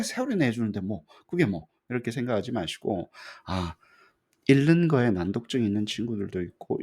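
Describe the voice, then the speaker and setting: A man's voice: fairly low pitch, a little mellow, breathy edge. A man giving a conversational recorded lecture, often checking for agreement and mixing English terms into his speech. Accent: Korean.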